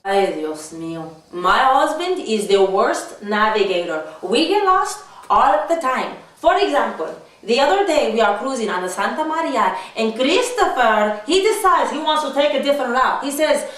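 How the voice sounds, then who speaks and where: A fiery, exasperated wife acted by a woman with a Spanish accent, in a comedy sketch. Her voice is high and indignant, recorded in a very echoey room a little way from the mic. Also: sing-song, normal speed, few pauses, a bit bright. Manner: indignant, dramatic. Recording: echoey room, distant microphone.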